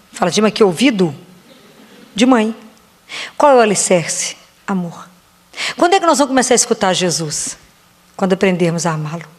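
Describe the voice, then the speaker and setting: A woman giving a slow, reflective devotional sermon, often asking rhetorical questions. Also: mid-range voice. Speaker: preacher. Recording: long hall reverb.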